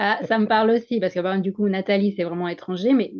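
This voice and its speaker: Her intonation is fairly even. The woman's pitch sits in the medium range. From India. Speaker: podcast host, former doctor. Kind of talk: podcast interview.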